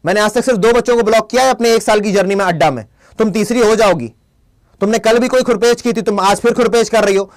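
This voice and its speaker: Young man, Hindi accent, high voice, playful online English teacher, scolds the chat. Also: fast talker. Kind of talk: live class with quiz questions.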